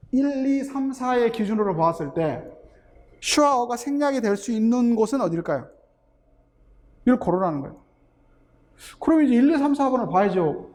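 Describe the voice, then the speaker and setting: A man's voice: extremely high pitch, darkish tone. A man teaching linguistics for a teaching exam, explaining step by step and asking rhetorical questions, with terms. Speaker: English linguistics instructor. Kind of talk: exam-prep lecture. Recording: long hall reverb.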